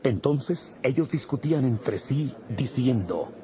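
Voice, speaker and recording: A man narrating a dramatized audio Bible from a script in a husky, mellow voice. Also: mid-range voice, animated, slow pace, a crowd in the background. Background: music.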